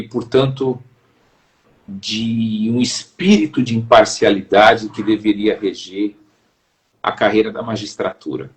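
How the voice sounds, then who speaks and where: Measured Brazilian judge, formal speech. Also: male voice, on the low side. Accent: Brazilian Portuguese. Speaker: judge and interview guest. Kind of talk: reflective interview talk.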